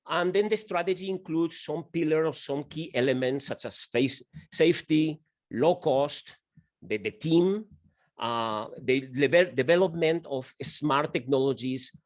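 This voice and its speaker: A man co-hosting a business school webinar, presenting a case study with halting, repeated words. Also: a little high. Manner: halting, repeats words while searching for them. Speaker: business school professor, co-host.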